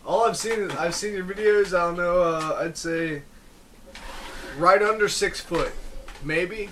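A man's voice: high-pitched, unhurried, a bit bright, a little hiss or hum. A man co-hosting a podcast, asking loose, curious questions in casual chat. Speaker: podcast co-host.

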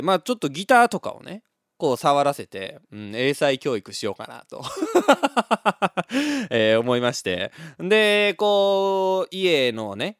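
Kansai man, solo radio host, animated story chat, dry close sound. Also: mid-range voice, clean tone, dry recording. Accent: Kansai Japanese. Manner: animated, laughs often between lines.

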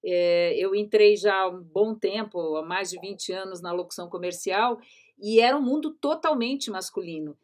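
A woman's voice: mid-range voice, normal speed, a little mellow. A woman, a commercial voice-over artist, hosting a casual live panel chat over a video call in a conversational, engaged way.

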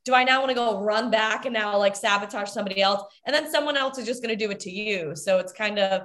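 A woman's voice: medium pitch, fast. Candid woman co-hosting a reality aftershow. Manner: candid, swears freely, animated when heated. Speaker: podcast co-host. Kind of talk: casual aftershow chat.

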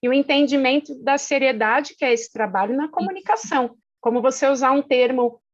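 A woman's voice: high voice, brisk. A woman with a Brazilian accent hosting a podcast in a conversational interview style. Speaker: podcast host. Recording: dull, lo-fi audio.

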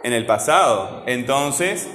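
A man's voice: medium pitch, animated, slow, a bit bright. Male teacher, questioning classroom manner; roomy, slightly noisy room sound. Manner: questioning, coaxing students with repeated checks. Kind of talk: classroom grammar lesson. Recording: roomy classroom echo, faint ambient noise.

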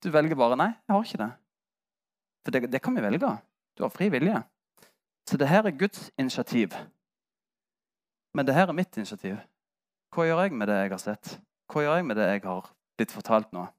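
A man's voice: medium pitch, big pitch swings, pauses often. Candid male pastor. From Norway. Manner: candid storytelling with self-mocking humor. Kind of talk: sermon.

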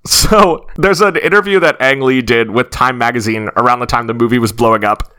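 A young man co-hosting a casual film podcast, chatty and animated as he tells stories. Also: mid-range voice, fairly quick, clean tone. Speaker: podcast co-host.

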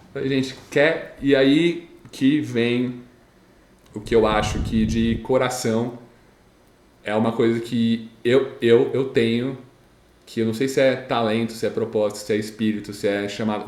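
A young Brazilian man telling a story in casual chat, animated and repeating himself, with a slight stammer. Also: mid-range voice, roomy sound. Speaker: storyteller recounting his graduation speech.

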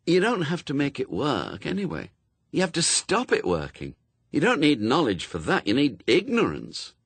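Man voicing a brisk, clever woman, pitched up. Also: wildly swooping pitch, husky, no echo, full character voice. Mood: brisk, confident. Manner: precise, breezy, matter-of-fact. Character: Anathema, brisk, sweetly teasing clever woman.

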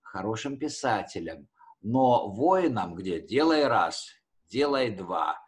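Low-voiced male teacher explaining. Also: big pitch swings, slow pace. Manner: explanatory, hesitant, repeating and rephrasing key words. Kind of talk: conversational history lesson.

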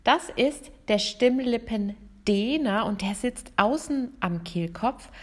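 A woman, hosting a podcast lesson as a vocal coach, talking directly and lively to the listener. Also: a little high, slow. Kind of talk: podcast lesson on singing technique.

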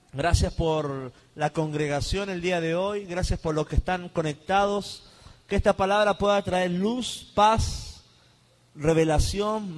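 A pastor preaching fervently to his congregation and livestream, reading scripture and praying, his voice swinging between highs and lows. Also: long reverb tail. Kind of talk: livestreamed sermon with Bible reading and prayer.

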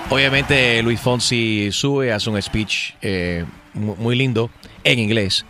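A man hosting a morning radio show, lively, switching between Spanish and English. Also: mid-range voice, takes it slowly, over music. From United States. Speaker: radio host. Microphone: studio mic.

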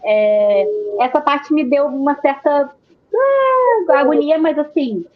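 A woman from Rio de Janeiro, Brazil, with a high, animated voice and a Carioca accent chats casually about films as a panelist. She talks slowly in informal Rio street slang and swears casually. The sound has a phone-like quality.

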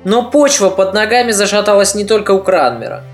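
A podcast narrator reading a scripted history story in a steady, even manner. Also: medium pitch, brisk, soft background music.

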